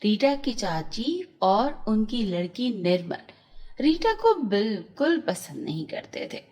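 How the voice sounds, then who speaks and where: A woman narrating a scripted children's fairy tale in a slow, storytelling manner. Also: medium pitch, very animated, darkish tone.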